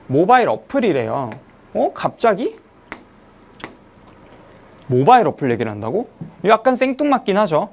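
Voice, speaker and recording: An English teacher giving an online exam-review lecture, explaining step by step, asking questions and then answering them. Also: medium pitch. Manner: reads English sentences slowly, then glosses them; mixes polite and casual speech to students.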